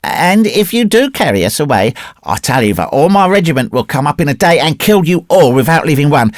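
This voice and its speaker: Guy doing a little six yr old boy from a storybook, bossy n earnest, voice way up high. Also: big pitch swings, moderate pace, gravelly, dry recording, clean studio sound. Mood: defiant. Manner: commanding, childishly solemn. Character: small imperious six-year-old boy, earnest and brave.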